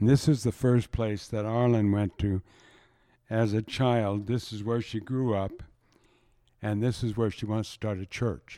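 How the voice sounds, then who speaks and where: A man's fairly low, dark, mellow voice at a fairly slow pace, fairly even in intonation and broken by long, frequent pauses, on a very clean recording with a silent background. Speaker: missionary. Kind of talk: presentation. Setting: stage with audience.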